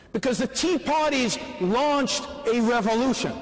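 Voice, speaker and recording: A man speaks at an extremely high pitch and a fairly slow pace amid noticeable background noise and audible room echo. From Israel. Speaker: political speaker. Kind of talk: political speech.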